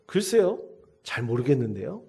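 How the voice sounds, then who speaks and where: A man's voice: mid-range voice, animated, normal speed, dark tone, husky. A man voicing a cheeky young boy who talks back boldly to his father. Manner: bold, impudent retorts.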